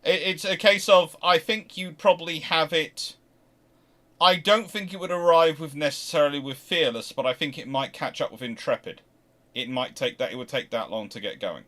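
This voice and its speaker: A man with a bright, forward voice talks through his points in an unscripted expert discussion. He often stops, doubles back and restarts a phrase before carrying on. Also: fairly high pitch. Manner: halting, repeats and restarts phrases. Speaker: naval history discussion panellist.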